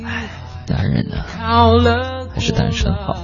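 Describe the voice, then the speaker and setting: A man's voice: a little slow, dull audio, over loud music. A male radio comedy host, chatting and reading out listener messages, laughing at his own jokes and acting out the voices.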